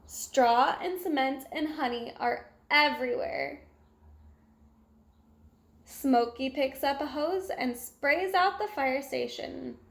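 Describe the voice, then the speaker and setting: A woman reading a children's picture book aloud in an expressive, animated way, with exclamations. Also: high-pitched, slow, vocal fry. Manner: animated, exclamatory, acts out sound effects. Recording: echoey room.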